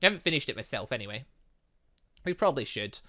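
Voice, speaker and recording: A fast-talking man with a medium-pitched voice, pushed and bright, swings broadly in pitch. He's hosting a gaming channel let's play of a visual novel, chatting casually, reading bits of text, and thinking aloud with muttered asides.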